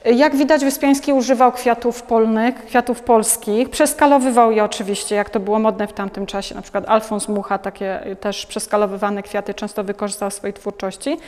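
Speaking briskly with few pauses, a woman curator in her forties leads an off-the-cuff gallery talk about artworks inside a large museum hall, yet she still hesitates and restarts often. Her voice is on the high side, steady and slightly mellow. She wears a lapel mic, and the big room's acoustics come through.

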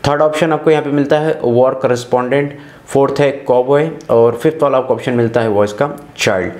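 A man's voice: medium pitch, steady tone, brisk, a little mellow. Male Indian tech presenter, scripted tutorial narration, echoing room recording. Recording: roomy echoing voice-over.

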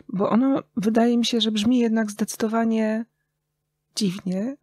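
A woman's voice: medium pitch, mellow, dry recording. Thoughtful woman in a dry-sounding interview. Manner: thoughtful, halting phrasing with pauses. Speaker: interview guest, writer and radio journalist. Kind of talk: reflective conversational interview.

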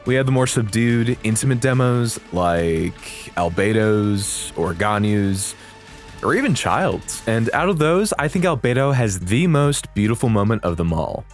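A young man giving casual, excitable reaction commentary on game videos, slangy and sweary. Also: on the low side, a little slow. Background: faint music.

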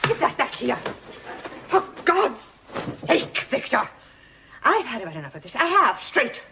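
A long-suffering wife in a sitcom, scolding with weary sarcasm in a voice that leaps up and down. It comes from an old TV broadcast with a hiss underneath. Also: female voice, high-pitched, sing-song, measured pace, exaggerated voice. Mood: exasperated. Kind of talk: sitcom acting. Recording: noisy old TV broadcast audio.

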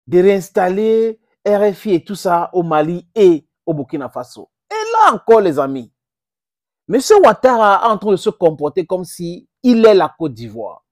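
A middle-aged man whose first language is English, giving impassioned direct-to-camera political commentary on a lapel mic, with sudden jumps in pitch for emphasis. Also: a little mellow, no echo, clean studio sound. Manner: impassioned, gesturing, addresses viewers as friends, pitch jumps for emphasis. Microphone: clip-on lapel mic.

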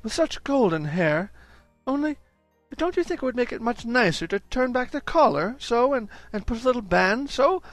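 A man's voice: extremely high pitch, sing-song, normal speed, dry recording, soft background music, pitched above the performer's own voice. A man voicing a gushing, fussy society wife in a read-aloud story.

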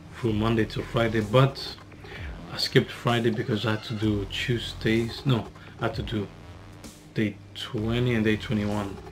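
A young man in his twenties recording a self-study language vlog in a small room, halting and correcting himself as he drills phrases. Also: fairly low pitch, background noise. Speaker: language learner vlogger. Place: small room with curtain backdrop.

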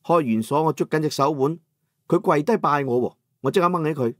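A man narrating an audiobook in the first person in Cantonese, with colloquial, expressive dramatic storytelling. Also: a little high, brisk, dry recording, studio quality.

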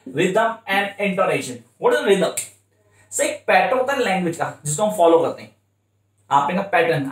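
A man with an Indian accent gives an exam-prep lesson, drawing out his English phrases slowly and circling back to the same points. His voice sits a little high for a man. The room around him rings with echo. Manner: repetitive, coaching, slows right down for English phrases. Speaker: tutor. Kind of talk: exam-prep lecture in mixed Hindi and English. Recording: echoey room.

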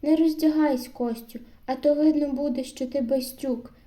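A woman's voice: high voice, fairly even intonation, normal speed, dark tone, echoey room, close to an everyday voice. A woman voicing a mocking village boy who slyly taunts another child. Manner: sly, taunting.

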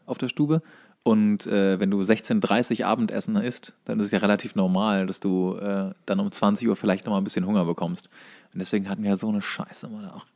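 A man's voice: fairly low pitch, fairly even intonation, brisk, a little mellow. A man in casual podcast banter, joking, interjecting and explaining things loosely. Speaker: podcast co-host.

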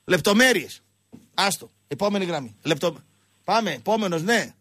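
A man hosting a sports radio show, telling comic stories in an animated way and acting out the voices of the people in them. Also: no echo. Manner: animated storyteller, acts out voices with big pitch jumps. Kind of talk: comic storytelling and call-in chat.

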